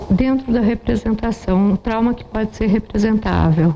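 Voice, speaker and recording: Noticeable background noise sits behind a woman with a fairly high pitch. She talks at a fairly slow pace with fairly even intonation. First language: Polish (speaking Portuguese). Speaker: psychoanalyst. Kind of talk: lecture. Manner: halting.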